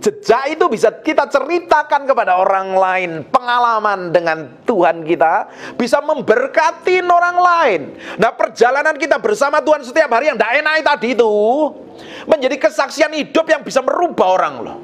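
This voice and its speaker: A pastor, preaching a sermon in a joking, colloquial, animated way. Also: male voice, extremely high pitch, normal speed.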